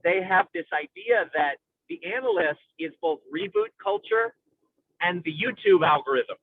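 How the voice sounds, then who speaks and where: Tinny narrow-band audio, male speaker, fairly high pitch, bookish vocabulary, halting delivery, analytical film chat. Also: big pitch swings, creaky, no room sound. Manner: intellectual, academic vocabulary. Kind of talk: analytical film discussion, conversational. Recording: tinny phone-like radio-style sound.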